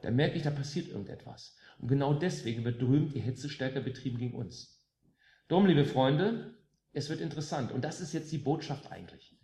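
A West German man speaks to a live concert crowd between songs, delivering a rousing political speech with emphasis, sarcasm, and rhetorical questions. His medium-pitched voice is dark-toned, animated, and brisk, heard in a roomy live space with faint music behind.

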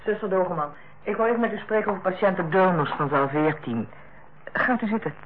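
An actress playing a tactful, composed middle-aged hospital director in a Dutch radio play, speaking in a measured, formal way. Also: female voice, on the low side, slight background noise, close to an everyday voice. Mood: businesslike. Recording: tinny, narrow-band old radio recording.

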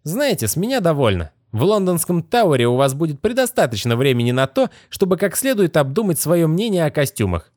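A man's voice: a little high, big pitch swings, a little fast, darkish tone, no room sound, studio quality, voice pushed up. A man voicing a vain, cold young male magician in a haughty, condescending manner. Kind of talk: audiobook character reading.

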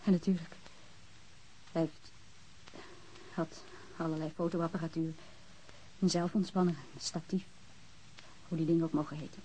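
A woman's voice: deep voice, level tone, moderate pace, pauses often, warm tone, a little hiss or hum, natural voice, low-quality recording. A woman playing a defiant, grieving bereaved woman in a Dutch radio drama, curt, sarcastic and defensive. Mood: subdued.

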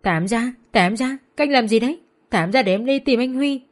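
Woman narrator playing a grief-stricken young woman, pitch climbing high as she begs. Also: fast, darkish tone, lightly acted. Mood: frantic. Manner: begging, sobbing pleas. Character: grieving young woman, desperate and pleading.

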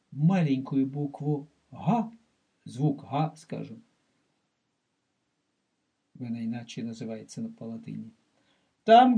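A man delivering a religious teaching lecture in a slow, measured way, addressing the listener directly and repeating key points. His voice sits a little high for a man but sounds dark and mellow, with a husky, breathy edge. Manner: explains terms and repeats for emphasis. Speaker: rabbi teaching Kabbalah.

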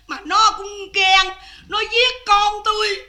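An actress playing an older, loud, scheming village mother-in-law in a Vietnamese cải lương stage drama, wailing and shouting. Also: extremely high pitch, little pitch movement, takes it slowly, full character voice. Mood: pleading. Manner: wailing, shouting, theatrical crying.

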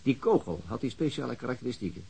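A man's voice: mid-range voice, lively intonation, quick pace, vocal fry, mellow, breathy edge, heavily acted. A man playing a dogged, dry-humoured police detective in a radio drama, laconic and musing. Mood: dry, probing.

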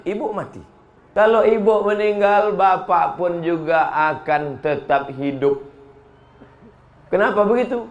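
A man preaching a lively, humorous sermon in a mosque, swinging between shouting and quiet asides. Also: sits high.

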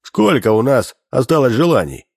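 A man's voice: mid-range voice, very animated, normal speed, vocal fry, darkish tone, slightly rough, no room sound, clean studio sound, pitched above the performer's own voice, exaggerated voice. A man voicing a pompous, dazed pudgy man who blusters indignantly and turns greedy.

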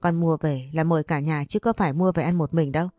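A woman's voice: sits low, steady tone, fast, mellow, dry recording, clean studio sound, soft background music. A woman voicing a spiteful young daughter-in-law who speaks snappily and sarcastically. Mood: resentful.

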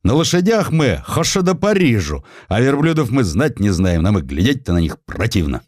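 A plain-spoken rustic Cossack soldier, put on by a male narrator, grumbles stubbornly in folksy dialect. The voice is raised high and lively, recorded dry. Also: moderate pace, dry recording. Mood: indignant. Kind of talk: dramatized audiobook dialogue.

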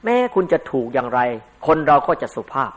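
A man's voice: mid-range voice, expressive, a little fast. An older man giving a Buddhist dharma sermon in a conversational way, rising into emphatic bursts. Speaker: Buddhist monk teacher.

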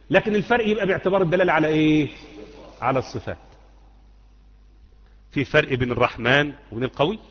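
Captured in a muffled lecture hall with a long echo, a man with a high, slightly bright voice and an Egyptian Arabic accent teaches Islamic creed. He questions his students and keeps repeating points until the class responds.

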